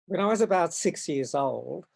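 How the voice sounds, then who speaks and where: A man in his seventies from Far North Queensland with an Australian accent, telling stories from his life in a hesitant, halting way over a video call from home. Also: fairly high pitch, expressive, creaky, husky. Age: 70s. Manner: hesitant, halting, with frequent ums and restarts. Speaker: guest artist. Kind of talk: reflective storytelling in an interview.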